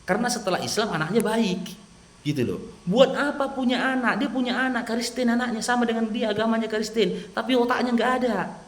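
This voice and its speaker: A man's voice: very high voice, brisk, roomy sound. A man from Medan with a Medan Indonesian accent, a Muslim preacher and channel host giving a persuasive religious talk to a listener and acting out quoted dialogue as he tells stories. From Medan, North Sumatra. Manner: lively storyteller who acts out quoted dialogue.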